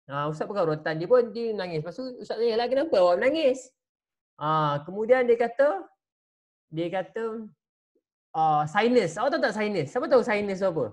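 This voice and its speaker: A man teaching religious studies to children over a video call, telling them a story and stopping often to ask them questions. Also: high voice. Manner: animated, talks straight to the children and asks them questions. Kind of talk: teaching an online class, storytelling.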